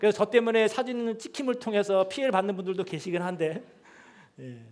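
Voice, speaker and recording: A high-pitched man's voice, very fast, with lively intonation. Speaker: pastor. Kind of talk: sermon. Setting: church.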